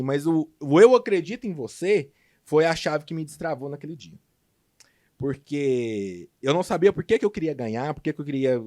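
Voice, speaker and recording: A man with a Brazilian Portuguese accent, a guest in a podcast interview, telling a personal story with animated, emphatic delivery. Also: a little high. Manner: animated, emphatic retelling with lively swings in loudness. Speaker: guest entrepreneur.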